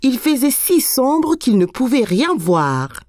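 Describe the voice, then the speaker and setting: A woman narrating a children's cartoon as a warm, scripted storyteller. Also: sits high, very animated, slow pace, heavily acted. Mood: storytelling. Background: faint music.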